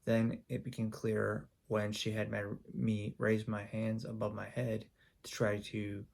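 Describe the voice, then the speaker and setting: Low gravelly man telling a story haltingly. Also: level tone, a little mellow. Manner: halting, with frequent ums and restarts. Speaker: YouTuber. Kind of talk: personal storytelling to camera.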